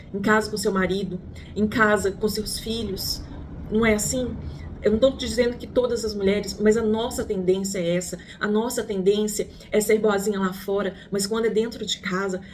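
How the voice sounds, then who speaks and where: A woman's voice: medium pitch, slight background noise. Chatty Brazilian woman giving a lesson. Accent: Brazilian Portuguese. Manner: conversational, addresses listener as a friend, rhetorical questions. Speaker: psychologist. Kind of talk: online lesson.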